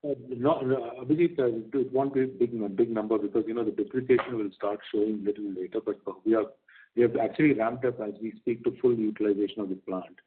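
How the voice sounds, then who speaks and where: A man with an Indian accent answering as a company executive on an earnings call, measured and guarded, often stammering and repeating words as he goes. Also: on the low side, fairly even intonation. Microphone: phone or conference call line. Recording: narrow, tinny conference call line.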